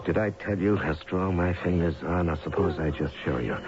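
An American actor playing a vengeful escaped convict husband in a radio mystery drama, taunting with slow mock tenderness in a gravelly voice. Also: male voice, deep voice, natural voice. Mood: sadistic, threatening. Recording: muffled, noisy old radio broadcast recording.

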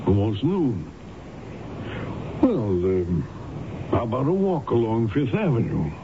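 An actor in a radio drama playing a polite, persistent lawyer with a measured, questioning manner. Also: male voice, on the low side, huge pitch swings, heavily acted. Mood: earnest. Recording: tinny, noisy 1970s radio broadcast.

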